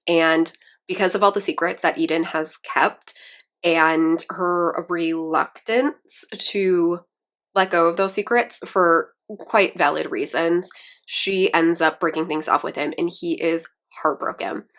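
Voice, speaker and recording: A woman book vlogger chatting casually about her reading, a little raspy and rambling with fillers. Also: lowish voice, fairly even intonation, takes it slowly, a bit bright. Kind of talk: casual chat.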